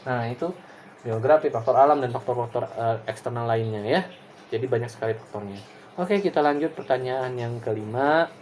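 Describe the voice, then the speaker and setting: Male lecturer, casual digressive delivery, mid pitch, faint noise floor. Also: fairly quick, darkish tone. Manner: casual and digressive, many fillers and tag questions. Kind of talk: recorded class explanation.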